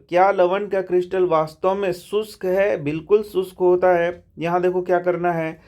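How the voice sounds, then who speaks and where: High-voiced chatty science teacher. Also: male voice, a little mellow. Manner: chatty, addresses students as bhai; asks and answers his own questions. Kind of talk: line-by-line textbook lesson.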